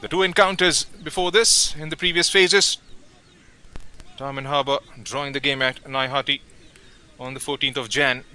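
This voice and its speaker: Male football commentator, very bright voice, middle pitch, steady play-by-play calls. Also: smooth. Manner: steady, measured calls with brief pauses between names.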